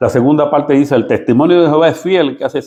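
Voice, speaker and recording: A man's voice with fairly even intonation. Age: 60s. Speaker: pastor. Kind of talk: bible study. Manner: halting.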